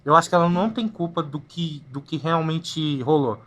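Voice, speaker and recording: A woman with a Brazilian Portuguese accent, hosting a talk show in a relaxed, slangy way. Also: low voice, normal speed. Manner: laid-back, slangy, uses mild swearing. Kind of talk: casual interview chat.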